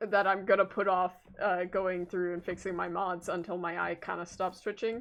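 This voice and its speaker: A woman with a Canadian accent and monotone, flat intonation. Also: medium pitch for a woman, moderate pace. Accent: Canadian, slightly stronger than usual. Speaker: gaming streamer. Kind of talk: casual chat. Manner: loud.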